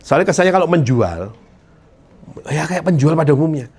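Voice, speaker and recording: A man runs a motivational sales session. His somewhat high voice swings widely in pitch as he jokes and acts out conversations with clients. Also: moderate pace, husky. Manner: lively, joking, acts out client dialogues. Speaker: insurance sales trainer. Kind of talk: motivational training talk to a live audience.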